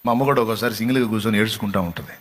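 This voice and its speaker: A man's voice: fairly low pitch, racing. A man pastor preaching a sermon. He tells stories and puts direct questions to the congregation, then builds to impassioned exhortation.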